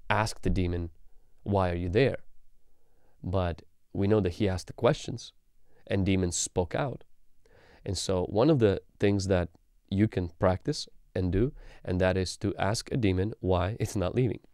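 Calm deep-voiced man teaching. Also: smooth, no room sound, clean studio sound. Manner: calm conversational teaching with frequent ums. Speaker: pastor. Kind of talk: livestream teaching. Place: small indoor studio room. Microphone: studio mic on boom arm.

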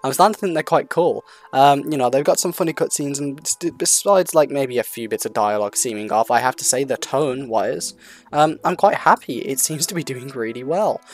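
A man's voice: medium pitch, a little fast. A man giving unscripted, casual commentary on a video game in a rambling, hesitant way, often repeating himself.

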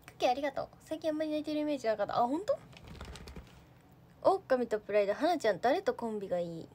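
Lively, high-voiced young woman chatting on a livestream. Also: fast talker, a little hiss or hum. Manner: chatty and giggly, with lots of fillers. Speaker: idol trainee livestreamer. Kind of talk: casual livestream chat reading viewer comments.

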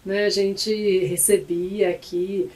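A woman's voice: medium pitch, little pitch movement, slow, a little mellow, far from the mic, rough recording. A woman in her forties hosting a radio interview in a studio, asking friendly conversational questions. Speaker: radio host. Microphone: studio mic on boom arm.

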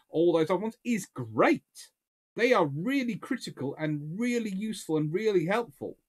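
A British man in his thirties, a naval historian from the United Kingdom, answers viewer questions about history and politics in a casual explanatory talk. He has a high voice and rambles, restarting often. He sits at a desk in a small, book-lined indoor study, framed like a webcam shot.

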